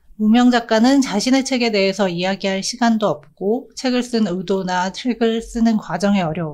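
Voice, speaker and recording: Moderate-paced speech from a woman, medium in pitch, with ordinary pitch variation. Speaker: writing class instructor and book talk host. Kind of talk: scripted introduction; casual interview chat. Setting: remote call. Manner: stumbles when reading aloud.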